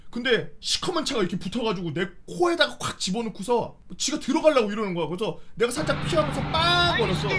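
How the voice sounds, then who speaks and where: A man's voice: very high-pitched, fairly bright tone. A man in his thirties, a streamer telling stories casually, swearing and acting out scenes with sound effects. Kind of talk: casual storytelling and reading viewer stories.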